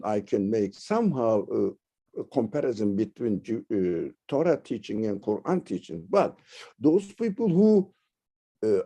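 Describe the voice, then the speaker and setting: A man from Turkey, teaching religion in a discussion, halting and searching for words, then rising sharply to stress key points. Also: mid-range voice, warm tone. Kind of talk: lecture-style discussion.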